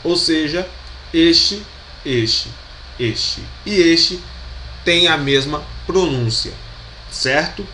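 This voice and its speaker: A man's voice: on the high side, takes it slowly, bright, forceful tone. A man with a Brazilian Portuguese accent teaching French grammar in a video lesson. He patiently repeats each pronunciation and keeps checking that his students follow. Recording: roomy echo with faint background hum.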